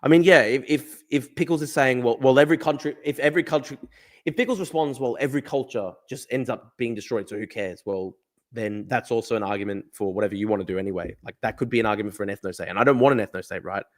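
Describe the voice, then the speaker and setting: A fast-talking young man with a mid-range voice runs a casual livestream, responding to chat. He answers bluntly and argumentatively, swears freely, and keeps repeating phrases.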